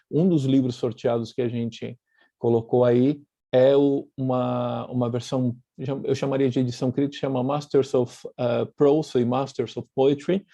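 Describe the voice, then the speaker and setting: A man's voice: medium pitch, dark tone, dry recording. A man from Argentina with a light Argentine accent, giving an online talk over a video call, thoughtful and full of fillers and restarts. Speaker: guest speaker, publisher. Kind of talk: online lecture presentation.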